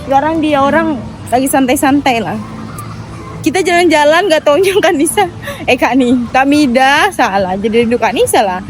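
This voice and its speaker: Higher-voiced woman vlogging casually. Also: lively intonation, moderate pace, soft background music. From Indonesia. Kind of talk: casual vlog chat to viewers. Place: walking around a busy outdoor amusement area and nearby shop.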